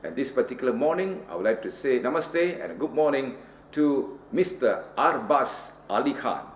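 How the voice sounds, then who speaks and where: A man's voice: mid-range voice, animated, moderate pace, echoey room, slight background noise. A Malaysian man hosting an interview with elaborate, ceremonious phrasing. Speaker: host.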